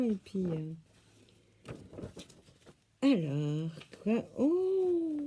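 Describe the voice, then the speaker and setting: A woman hosting a craft channel, gushing with oohs and exclamations as she slowly unpacks crafts in casual chat. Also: medium pitch, dark tone, slight background noise. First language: French. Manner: slow, thinking aloud as she unpacks.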